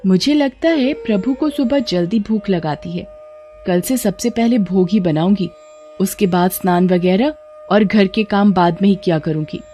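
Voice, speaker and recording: A woman's voice: mid-range voice, normal speed, warm tone, soft background music, lightly acted. A woman voicing a devout, innocent and stubborn young village girl who talks earnestly and pleads with her god. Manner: earnest, pleading, chatty devotion.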